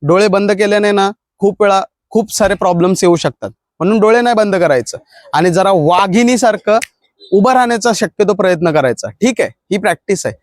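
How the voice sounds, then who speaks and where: A running coach with a high, clear male voice and a firm, direct way of instructing his trainees. The sound is dry and close, with little room around it. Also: a little fast, no room sound. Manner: shouts encouragement, then lectures firmly. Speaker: police recruitment fitness coach. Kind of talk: outdoor coaching of runners.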